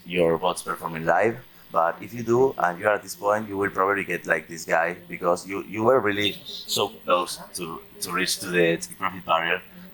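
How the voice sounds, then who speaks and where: Against noticeable background noise, a man with a very deep, low pitch speaks with ordinary pitch variation and big swings in loudness. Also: moderate pace. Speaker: community developer presenting trading strategy. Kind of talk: technical presentation on a community call. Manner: halting, many fillers and repetitions.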